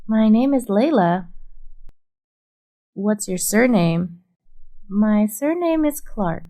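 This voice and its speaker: A woman reading short English practice questions and answers as a scripted lesson, voicing both sides in a deliberate, even way. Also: medium pitch.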